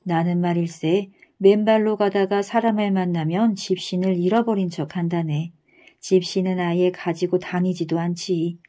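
A woman's voice: fairly low pitch, steady tone, normal speed, mellow, close to an everyday voice. A woman voicing a dismissive, stingy male miser from a folktale, speaking in an old-fashioned way. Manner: dismissive, tongue-clicking old-fashioned speech.

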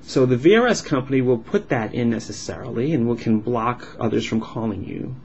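A man speaks as a live interpreter, explaining point by point in halting phrases with uneven pauses. His pitch sits in an ordinary male range. The recording is dull and lo-fi, with noticeable noise behind him. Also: expressive, a little mellow. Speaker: sign language interpreter voicing a signed vlog. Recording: dull lo-fi sound with clear background noise.

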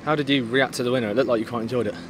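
A man interviewing a football coach outdoors on a pitch at night, asking brisk, friendly questions. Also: fairly even intonation. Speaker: club media interviewer. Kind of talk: post-match interview questions. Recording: outdoor with clear background noise.

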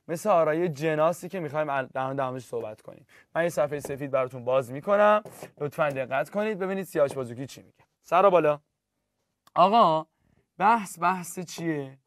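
Male teacher running an online lesson, fairly high-pitched, dry sound, repeats terms to students. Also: no room sound. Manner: lively, addresses students directly, repeats key terms. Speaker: literature teacher.

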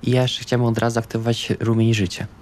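A man's voice: medium pitch, little pitch movement, quick pace, darkish tone. A man talking casually as a player in a tabletop roleplaying game. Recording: faint background ambient noise.

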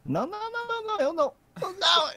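A man with a Brazilian Portuguese accent chats with his squad during a battle royale match. His pitch swoops wildly up and down as he jokes and reacts. His tone stays playful and loose. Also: sing-song, very fast, crowd noise. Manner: swoopy, playful, laughs between lines. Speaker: teammate in the squad. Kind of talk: casual gaming chatter.

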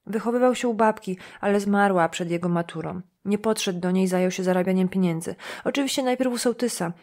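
A woman's voice: medium pitch, lightly acted. A woman reading an audiobook, voicing a shy, talkative teenage village girl who runs herself down. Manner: lively, chattering, self-deprecating.

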